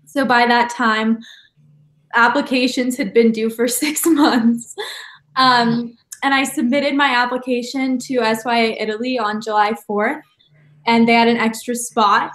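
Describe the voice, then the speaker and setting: A woman's voice: on the high side, steady tone, a little slow, a bit bright, echoey room. A teenage girl from Denver, chatty and often laughing as she tells her story on a video call. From Denver, Colorado. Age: teens. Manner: chatty, laughs between phrases. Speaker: alumna and high school student. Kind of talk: casual remote video call.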